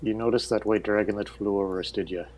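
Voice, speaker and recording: A man's voice: on the low side, steady tone, fast talker, a little mellow. A man playing a tabletop role-playing game, bantering casually and calling out his moves. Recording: faint background noise.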